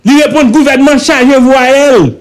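This is a Haitian-accented man holding forth on a radio talk show in the studio, his pitch notably high. His political commentary is fervent, and he hammers each point with repetition and rhetorical questions at a moderate pace.

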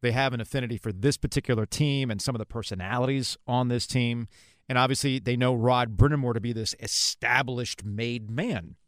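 A man's voice: mid-range voice, steady tone, fairly quick, no echo, studio quality. A man in his forties hosting a podcast, telling stories and putting questions to his guest conversationally. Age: 40s. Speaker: podcast host. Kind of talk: conversational interview, storytelling.

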